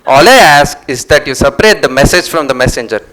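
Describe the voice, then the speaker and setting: A man's voice: mid-range voice, expressive, fast, a bit bright, close to an everyday voice, poor audio. A man in a staged comic play reading, playing a short-tempered, sarcastic office bloke who speaks in an argumentative way. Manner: sardonic, argumentative. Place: live stage at a literature festival.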